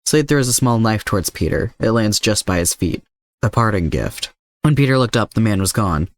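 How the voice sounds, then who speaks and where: A man's voice: on the low side, expressive, normal speed, no echo. A man reading scripted fiction aloud as the narrator of an adventure story. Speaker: fan fiction podfic narrator.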